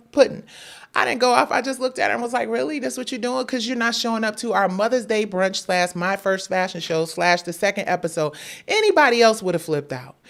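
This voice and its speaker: A woman in her thirties hosting a live Q&A, telling her side of a story in a candid, emphatic way with frequent profanity. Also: medium pitch. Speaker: livestream host. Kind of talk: live Q&A monologue to viewers.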